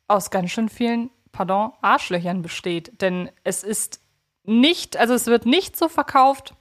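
A woman's voice: mid-range voice, lively intonation, unhurried. Frank, opinionated woman co-hosting a podcast. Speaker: podcast co-host. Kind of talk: conversational analysis of an audio drama.

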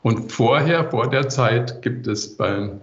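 An older man giving relaxed answers as an interview guest. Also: mid-range voice, slow pace. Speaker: composer interviewed as podcast guest. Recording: muffled, roomy, echoey remote recording.

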